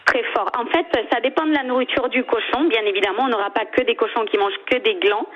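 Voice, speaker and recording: A woman's voice: a little high, fast talker. A woman from Andalusia, a native Spanish speaker with a foreign Spanish accent, chatting as a guest in a radio interview. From Cadiz province, Andalusia, Spain. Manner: foreign accent in French, frequent giggles. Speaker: shop manager, interview guest. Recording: dull lo-fi sound with faint noise.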